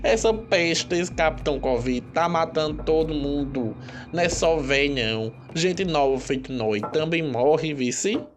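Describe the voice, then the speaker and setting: A man's voice: a little high, expressive, unhurried. A man playing a cowardly, gullible bakery worker in a radio soap, whiny and fretful, with a Northeastern Brazilian accent. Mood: panicky. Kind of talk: radio soap opera acting.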